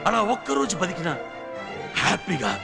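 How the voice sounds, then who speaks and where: A man's voice: high-pitched, huge pitch swings, moderate pace, creaky, exaggerated voice. An actor playing an emotional reformed gang elder and bereaved father in a film drama, speaking in an impassioned, dramatic way. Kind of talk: Telugu action film drama acting. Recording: film soundtrack with music behind.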